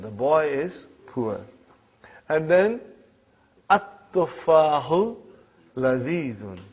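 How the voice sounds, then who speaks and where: A man's voice: fairly high pitch, a little mellow. Lo-fi recorded Arabic teacher, man. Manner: checks in often with "huh?" and "brothers and sisters". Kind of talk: classroom grammar lesson. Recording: dull lo-fi classroom recording.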